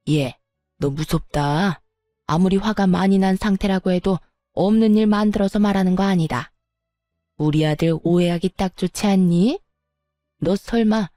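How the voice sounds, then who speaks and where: A scheming, spiteful older mother-in-law, put on by a woman reading the story. Her tone is mellow and warm, and the recording is dry and close. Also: on the low side, no room sound, natural voice. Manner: gloating, then fake wailing.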